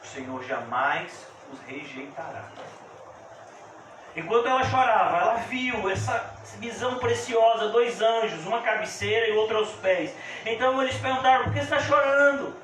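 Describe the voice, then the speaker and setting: A male pastor preaching a sermon, moving between soft, intimate asides and loud, fervent exclamations. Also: sits high, animated, moderate pace. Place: church. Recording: echoey church hall, voice from a distance, faint hiss.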